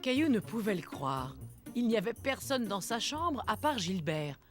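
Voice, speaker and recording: A woman giving scripted, gentle storybook-style narration for a children's cartoon, with music behind her. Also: mid-range voice, big pitch swings, moderate pace, natural voice. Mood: gentle storytelling.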